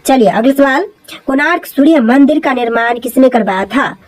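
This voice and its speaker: Woman from India with a Hindi accent and a higher voice; quiz host who repeats every answer. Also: moderate pace, poor audio. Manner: steady repetitive explainer, repeats each answer. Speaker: quiz presenter. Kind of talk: reading out quiz questions and answers.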